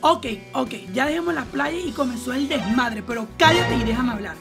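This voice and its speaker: Gravelly-voiced Colombian woman, sarcastic vlogger. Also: high-pitched, moderate pace. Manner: outspoken, gossipy, sarcastic, swears freely. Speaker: reaction vlogger. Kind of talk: casual reaction commentary. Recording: clear background music. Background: music playing.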